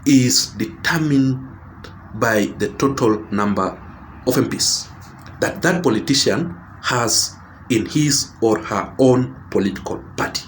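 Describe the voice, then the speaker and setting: A man's voice: mid-range voice, slight background noise. A man with a Kenyan accent delivering a political commentary monologue to his viewers. He talks emphatically, repeats his points and often corrects himself mid-sentence.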